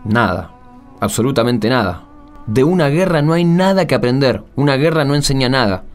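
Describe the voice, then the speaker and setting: A middle-aged Argentine veteran , acted by a man, speaks candidly in a radio drama. He is wounded yet devout, colloquial and emphatic, at a middling pitch, with soft music underneath. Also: animated, normal speed, close to an everyday voice. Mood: bitter, reflective. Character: candid, wounded Malvinas war veteran turned devout Catholic. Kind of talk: radio drama interview acting. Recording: music bed behind the voice.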